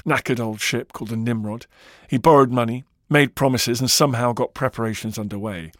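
A man's voice: mid-range voice, fairly bright tone, no echo, clean studio sound. A man narrating a scripted history documentary with dramatic, varied emphasis.

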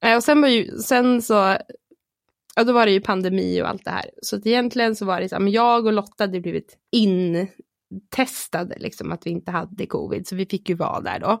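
Woman guest spilling her story, animated, acts out what she said, swears, laughs a lot, dry close sound. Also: medium pitch, gravelly, no room sound. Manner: lively, acts out her own quotes, swears and laughs often. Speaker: podcast guest. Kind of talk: candid personal storytelling.

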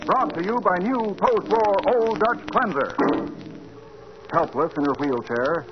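A man's voice: high-pitched, animated, measured pace. A man announcing and narrating a 1940s radio drama in a dramatic style. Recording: dull old radio recording with clear hiss.

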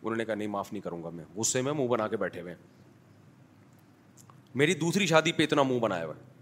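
A man's voice: lowish voice, expressive. A man giving a sermon in a mosque, taking questions and telling blunt, humorous stories with acted-out dialogue. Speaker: mufti giving a Sunday lecture. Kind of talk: sermon with anecdotes and audience questions. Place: mosque, before a congregation.

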